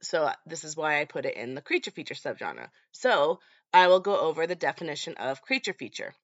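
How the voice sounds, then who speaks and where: A woman's voice: low voice, big pitch swings, fairly quick, no echo, highs cut off. Stuffy, nasal woman with swollen-throat congestion. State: congested from allergies, sore throat. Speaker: podcast host. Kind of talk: casual scripted horror movie podcast.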